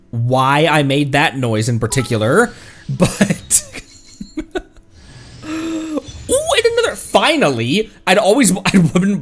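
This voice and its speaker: A man's voice: on the high side, fairly bright tone. A man chatting casually on a live game stream, thanking viewers and laughing often.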